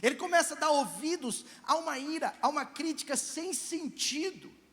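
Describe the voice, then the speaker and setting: A pastor with a strikingly high voice delivers a lively sermon, prodding the congregation for answers. The sound hangs in a big reverberant church hall. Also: male voice, normal speed. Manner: animated preaching, asks the congregation for responses. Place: church service.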